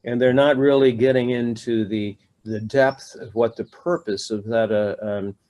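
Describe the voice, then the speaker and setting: A man's voice: medium pitch, steady tone, a little slow, a little mellow. Older man rambling through an interview. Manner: rambling, many fillers and restarts. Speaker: astrologer, interview guest. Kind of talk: conversational interview answers.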